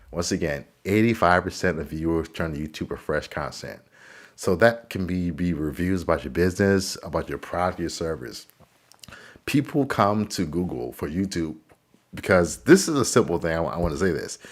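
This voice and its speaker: A man with a very deep, low pitch and vocal fry talks in an animated tone. His intonation is lively. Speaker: digital marketing coach and webinar host. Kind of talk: webinar presentation. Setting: online webinar. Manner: fast.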